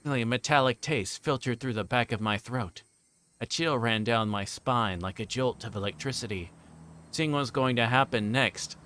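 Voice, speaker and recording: A man's voice: mid-range voice, normal speed, fairly bright tone. A man livestreaming a visual novel, switching between reading aloud and rambling, joking chat with viewers. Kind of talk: reading game text aloud mixed with casual stream chat.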